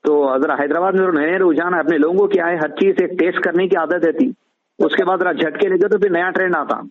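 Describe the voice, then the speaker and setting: A high-pitched man speaking a little fast in a steady tone gives casual opinions over the phone with a Hyderabadi accent. He explains his points through repeated lists, and the call recording sounds tinny and narrowband.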